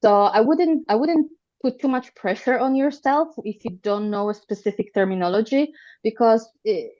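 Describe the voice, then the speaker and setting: A woman's voice: fairly high pitch, moderate pace, dry recording. Woman on muffled call audio. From Poland. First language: Polish. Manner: candid, relaxed, repeats words. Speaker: self-taught bag designer. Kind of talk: casual live Q&A answer. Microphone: video call. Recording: dull, dry video-call audio.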